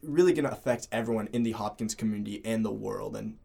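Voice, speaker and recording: Student podcast co-host, young man, low and raspy, earnest and a bit halting. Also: mellow. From Cleveland, Ohio. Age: young adult. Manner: earnest, with restarts and fillers. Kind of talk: casual student podcast chat.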